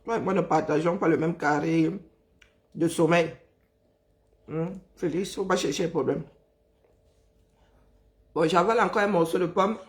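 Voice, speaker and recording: A woman with a Cameroonian French accent, hoarse and exhausted, talks to her live-stream audience. She is chatty and teasing, greets viewers one by one, and fills the gaps with hums and drawn-out sighs. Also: fairly low pitch. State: hoarse, worn-out voice.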